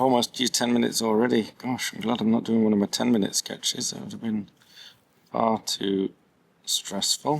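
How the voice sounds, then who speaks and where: A man talks at a fairly quick pace. His loudness swings widely. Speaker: urban sketching youtuber. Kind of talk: sketch-along vlog tutorial. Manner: mumbling; halting.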